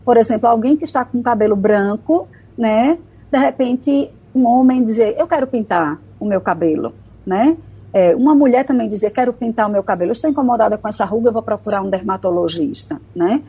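A woman's voice: on the high side, expressive, brisk, dark tone, breathy edge. A woman psychologist explaining on a radio show. She speaks reflectively and keeps adding "né" tags. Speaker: psychologist guest.

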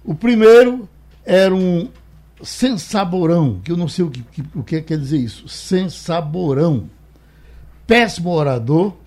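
A man with a Brazilian accent hosting a radio show, talking casually and haltingly as he tells anecdotes and reads a note. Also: high-pitched, lively intonation, a little mellow. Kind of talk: casual talk, reading a note aloud.

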